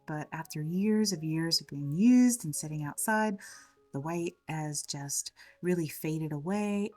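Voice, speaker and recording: A woman with a slightly scratchy voice from a cold, gently narrating a step-by-step craft tutorial in a chatty way. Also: low-pitched, recorded from a distance. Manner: gentle, chatty, fond of the word little. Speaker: craft channel host.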